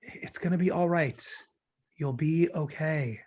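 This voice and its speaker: A woman's voice: sits low, measured pace, a little mellow. A woman reading the part of a hesitant, reassuring man in his thirties in a romantic comedy script. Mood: gently consoling. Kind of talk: virtual table read of a film script.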